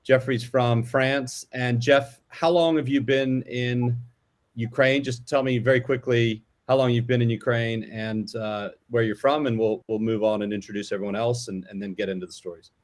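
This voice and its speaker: A man speaks as the host of a live panel. His pitch is average, and he moderates the discussion by introducing guests and putting questions to them. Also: fairly even intonation, moderate pace.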